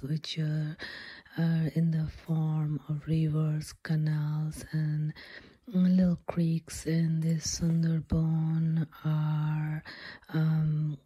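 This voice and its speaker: A woman doing ASMR storytelling in a breathy whisper, halting between short phrases. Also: low voice, mellow.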